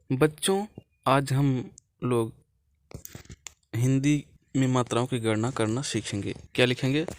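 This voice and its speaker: A man's voice: mid-range voice, darkish tone, dry recording. A man teaching a lesson step by step in a patient way, repeating key points and checking in often. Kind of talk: explaining a lesson plan step by step.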